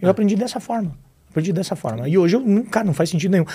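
The speech runs at a very fast pace in a dark, mellow tone. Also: man. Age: 40s. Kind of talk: casual chat. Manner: animated.

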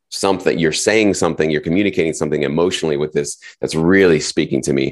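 A man's very deep, low voice shows vocal fry and ordinary pitch variation. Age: 30s. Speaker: sync licensing educator and music producer. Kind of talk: interview.

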